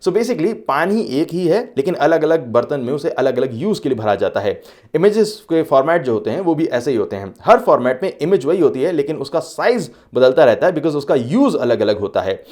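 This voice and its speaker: A man's voice: fairly high pitch, a little mellow. A man hosting a web tutorial, explaining step by step with everyday analogies and dropping English phrases into his Hindi. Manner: clear, instructive delivery with brief filler pauses. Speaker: tutorial host. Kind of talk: scripted screen-recorded tutorial.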